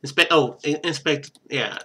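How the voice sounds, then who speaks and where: Bright-voiced man streaming a game. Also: a little high, normal speed, husky. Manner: thinks out loud, muttering to himself. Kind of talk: casual live game commentary, reading on-screen text aloud.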